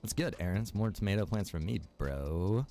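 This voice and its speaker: A man's voice: low voice, lively intonation, brisk, mellow, a little hiss or hum. A man streaming a game, chatting casually with viewers, rambling and joking as he plays. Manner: rambling and joking, chats to viewers and reacts while playing.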